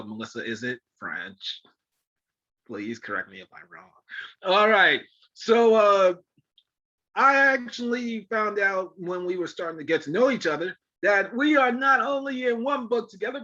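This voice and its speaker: A man hosts an interview with a bright, forceful voice, sitting a little high for a man. He talks in an effusive, affectionate and rambling way. The audio sounds dull and lo-fi. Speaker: podcast host. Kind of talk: casual interview chat.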